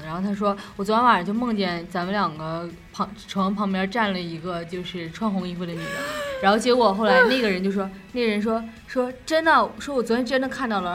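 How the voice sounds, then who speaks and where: A woman's voice: mid-range voice, fairly bright tone. A young woman with a Northeastern Chinese accent co-hosts a late-night show, telling ghost stories in a casual, rambling, repetitive way. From Northeast China.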